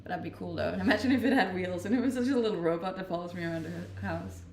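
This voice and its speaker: A woman's voice: on the low side, fast, a little mellow, roomy sound, a little hiss or hum. A young woman with a Danish accent, chatting casually with viewers on her stream and laughing easily. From Denmark. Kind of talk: casual chat reading viewer questions. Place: rented house, indoors.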